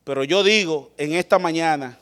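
Male preacher, high bright voice, dramatic sermon with loud and hushed turns. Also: moderate pace.

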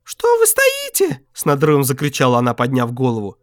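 A man reading an audiobook, voicing a terrified young woman who cries out and pleads in shrill bursts. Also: lively intonation, fairly quick, dry recording, studio quality, lightly acted. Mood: hysterical. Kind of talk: audiobook character voice.

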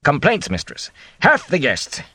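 A man's voice: on the high side, huge pitch swings, a little slow, pushed and bright, breathy edge, dry recording, voice pushed up, exaggerated voice. A man doing a flustered pleading innkeeper. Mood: protesting.

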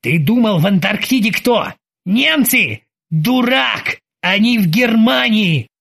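A man voicing an irritable middle-aged yacht captain who barks and shouts in exasperation. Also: high voice, big pitch swings, slow pace, husky, full character voice. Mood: furious shouting.

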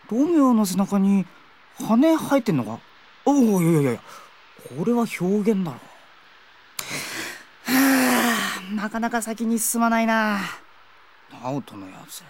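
A woman playing a cheeky, excitable teenage schoolboy in an audio drama, talking bluntly with theatrical flair. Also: medium pitch, slight background noise. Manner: casual, blunt boyish talk with theatrical outbursts. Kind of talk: Japanese audio drama acting.

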